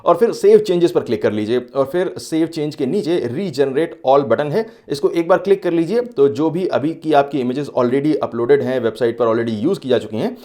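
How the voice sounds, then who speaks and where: Hindi tutorial host mixing English phrases. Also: male voice, fairly high pitch, dark tone. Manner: explains step by step with everyday analogies; clear, instructive delivery with brief filler pauses. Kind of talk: scripted screen-recorded tutorial.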